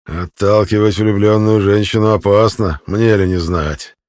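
A menacing male jailer who drawls his taunts, as a narrator puts him on. The voice is very deep and pushed louder. Every line drips with slow mockery. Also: steady tone, lightly acted. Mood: taunting. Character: mocking brutal male captor.

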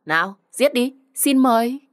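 A woman's voice: on the low side, expressive, moderate pace, lightly acted. A woman voicing a cruel, treacherous young woman in an audio story, with a mocking, condescending and sarcastic manner.

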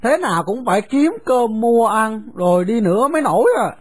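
A woman's voice: on the high side, animated, moderate pace. A woman voicing a cheerful, bold young orphan boy who teases his friend. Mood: cheerful, eager. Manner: teasing.

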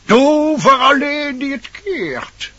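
A man playing a wise old owl doctor in a fairy-tale radio play, with a creaky, husky voice and solemn declamation. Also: extremely high pitch, expressive, takes it slowly, bright, forceful tone, no room sound, highs cut off, full character voice. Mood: grave, knowing.

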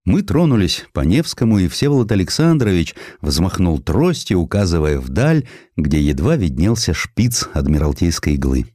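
Deep-voiced, expressive male storyteller. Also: moderate pace, no room sound, clean studio sound. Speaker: audiobook narrator. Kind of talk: scripted literary narration of a historical essay.

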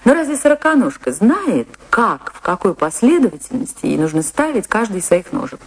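An actress playing a passionate, dreamy woman dancer reminiscing in a theatrical radio drama, expressive and full of dramatic pauses. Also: mid-range voice, breathy edge. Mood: impassioned. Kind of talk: theatrical Russian radio drama, monologue and dialogue.

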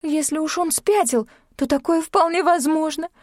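A woman voicing a distraught, tearful young woman who wails and sobs between excited outbursts. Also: high voice, measured pace, dry recording, studio quality, voice pushed up. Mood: agitated. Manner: wailing, sobbing outbursts.

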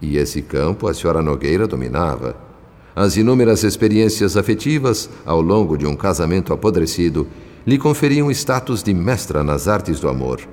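A man with a Brazilian accent narrating a radio drama in a measured, literary and suspenseful way. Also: low-pitched, expressive, darkish tone. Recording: long hall reverb, music underneath.

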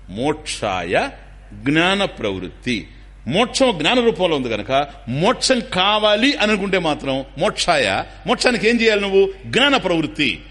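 A man giving a spiritual discourse, animated and acting out little dialogues while explaining terms. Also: on the high side. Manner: animated, acts out dialogues, mixes in English terms. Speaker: spiritual teacher.

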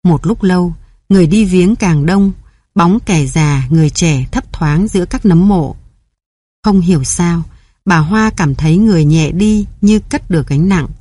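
A woman reading a story aloud in steady, measured audiobook narration. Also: on the low side, dry recording. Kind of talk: scripted narration.

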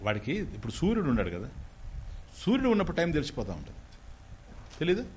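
A man teaches Vedanta to a gathering, his voice rising and falling in a lively sweep. He often poses a question to his listeners and answers it himself. He draws out each Sanskrit phrase slowly and carefully. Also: fairly high pitch, slight background noise. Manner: slow deliberate chanting of Sanskrit phrases. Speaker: spiritual teacher. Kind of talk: Vedanta discourse.

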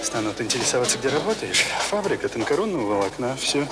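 An actor playing a brisk, self-assured man giving instructions in a Soviet radio drama. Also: medium pitch, sing-song, natural voice. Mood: brisk, instructing. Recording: echoey room with loud music.

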